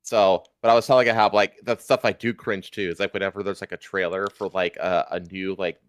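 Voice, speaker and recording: A man with a fairly low voice, recorded dry and close to the ear. He rants casually like a livestream host, swearing often and repeating himself for emphasis. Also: level tone, a little fast, clear, resonant tone, no echo. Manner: profane, emphatic, repetitive. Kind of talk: casual ranting chat.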